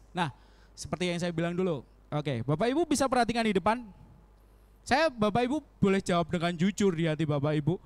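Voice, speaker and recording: A young man preaching a casual sermon in a church, animated, acting out prayers in quoted voices and laughing often. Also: sits high. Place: church hall.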